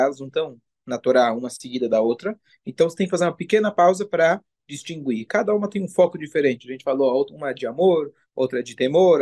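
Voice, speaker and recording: A man, a rabbi, giving a casual religious lesson, explaining rules in a relaxed, conversational way with humorous asides. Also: on the high side.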